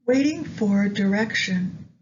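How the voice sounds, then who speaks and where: Woman, meditation guide, very slow and gentle, long pauses, dull lo-fi recording with noise behind. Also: mid-range voice, expressive. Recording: dull lo-fi audio with background noise.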